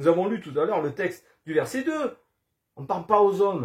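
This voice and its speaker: The man's voice sits high, with very wide pitch swings. He keeps a moderate pace. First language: Spanish (speaking French). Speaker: preacher. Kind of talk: sermon.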